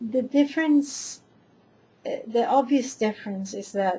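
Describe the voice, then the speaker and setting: A woman's dark, mellow, somewhat breathy voice at a very slow pace, with ordinary pitch variation. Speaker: vlogger. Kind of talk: casual vlog chat, reflective. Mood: reflective, searching for words. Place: home room. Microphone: webcam.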